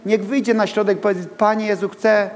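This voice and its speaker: A man preaching as a guest pastor. He talks in an animated way, repeats words and laughs at his own jokes. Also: high-pitched, a little fast. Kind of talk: lively sermon to a congregation. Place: church hall. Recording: long hall reverb.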